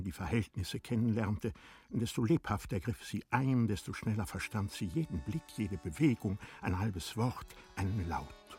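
A man narrating a literary radio play in a measured, formal storytelling manner. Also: fairly low pitch, dark tone.

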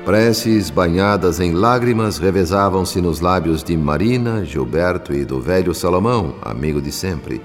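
Deep-voiced solemn spirit narrator, radio drama, big reverb, faint music. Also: male voice. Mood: solemn, compassionate. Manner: solemn, literary, measured. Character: solemn, humble male spirit narrator recounting events. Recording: long reverb, music behind.

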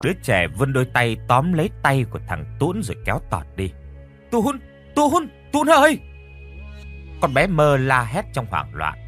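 A man narrating a horror audio story in a steady storytelling manner, acting out the characters' lines. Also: medium pitch, a little fast, few pauses, husky, soft background music.

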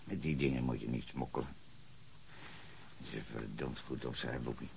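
An actor playing a gruff, volatile old male sea captain, blustering and breaking into furious shouting. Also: rumbling low, fairly even intonation, moderate pace, slight background noise. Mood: gruff boastful. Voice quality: gravelly, growling. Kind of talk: radio drama acting.

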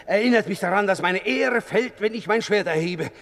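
A fiery Christian fighter at war with his own pride. His voice sits on the high side for a man. He declaims fervently, in the manner of a stage-like radio play. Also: moderate pace, fairly bright tone, dry recording. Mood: fervent, agitated. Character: fiery, tormented Christian warrior struggling to stay meek. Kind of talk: German radio play acting.

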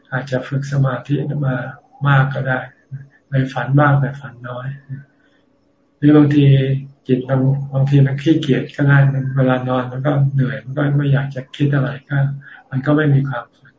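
A man, a Buddhist monk, calmly answering questions on meditation in plain words with small restarts. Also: mid-range voice, normal speed, roomy sound, lo-fi sound, slight background noise. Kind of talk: Dharma Q&A.

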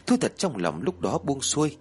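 A man narrating a spoken horror story in the first person, with a dramatic, animated delivery. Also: mid-range voice, moderate pace, breathy edge.

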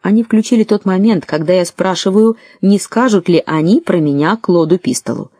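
A woman narrating a first-person audiobook story in a lively, wry way. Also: on the low side, normal speed, dry recording, studio quality.

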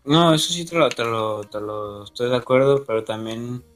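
A man's voice: medium pitch, moderate pace, faint music behind. A man with a Mexican accent co-hosting a casual podcast, rambling and peppering his talk with slang. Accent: Mexican Spanish. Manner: rambling, restarts, says güey often. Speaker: podcast co-host. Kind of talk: casual chat.

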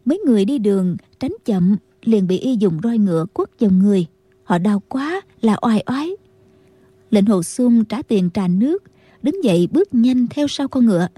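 A woman narrating a martial-arts novel as an audiobook, in a steady storytelling manner. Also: medium pitch, normal speed, slightly rough, no room sound.

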